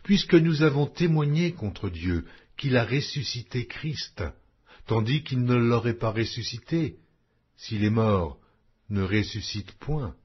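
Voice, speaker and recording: A man reading scripture aloud in a slow, measured, expressive way, with a husky voice. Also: medium pitch. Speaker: Bible reader. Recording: dull lo-fi audio.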